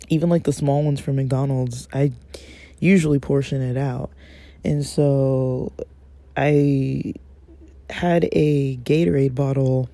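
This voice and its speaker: A man hosting a casual morning podcast, raspy from just waking up, rambling with lots of fillers. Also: medium pitch, mellow, dry recording. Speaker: podcast host.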